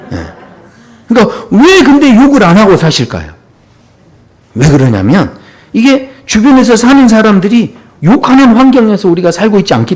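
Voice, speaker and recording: A man's voice: sits high, a little mellow. A male pastor preaching a Sunday sermon in a conversational, humorous way, often dropping in short asides to the congregation.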